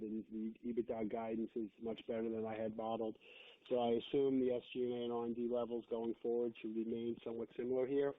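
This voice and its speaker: A man speaking as a financial analyst, putting questions to management on an earnings call. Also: mid-range voice. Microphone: phone. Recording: tinny phone line.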